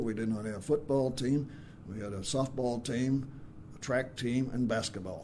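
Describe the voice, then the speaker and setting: A man with an American accent, medium pitch, dark, mellow tone, fairly even intonation and moderate pace, with audible room echo. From Indiana. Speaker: retired soil scientist. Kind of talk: oral history interview.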